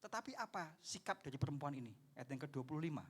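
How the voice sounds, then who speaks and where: A male pastor with a high-pitched voice, preaching a sermon to his congregation. He speaks with a lilt. He talks in an animated way and acts out the people in his story. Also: quick pace, husky. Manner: addresses the congregation as "saudara".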